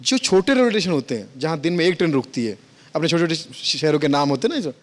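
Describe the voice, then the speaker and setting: A man performing a stand-up comedy routine, animated and switching between mimicked voices. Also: fairly high pitch, fast talker. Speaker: comedian guest.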